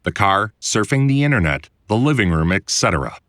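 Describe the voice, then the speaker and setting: A man reading his own instructional audiobook in a conversational, clearly enunciated way, like a voiceover producer explaining the trade. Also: on the low side, very animated, a little fast, fairly bright tone, dry recording, studio quality. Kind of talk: scripted instructional narration.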